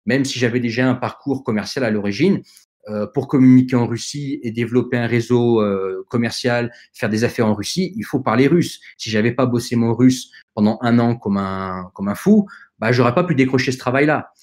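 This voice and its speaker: A man's voice: mid-range voice, normal speed, darkish tone. A man whose first language is not French, speaking as a podcast guest and giving direct advice to young listeners in a hesitant way, with many fillers and restarts. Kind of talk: conversational advice in an interview.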